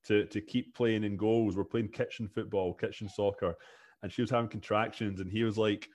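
Chatty Scottish man, low voice. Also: fairly even intonation, moderate pace, darkish tone. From Scotland. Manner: chatty, repeats words when starting sentences. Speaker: podcast guest. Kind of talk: casual interview chat.

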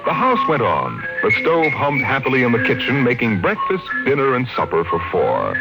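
An American man narrating a 1950s radio drama in a measured, theatrical manner as a vivid storyteller. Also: mid-range voice, wildly swooping pitch, gravelly, poor audio. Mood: vivid, wry. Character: omniscient storyteller, grave and vivid. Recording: old radio broadcast recording. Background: loud dramatic music.

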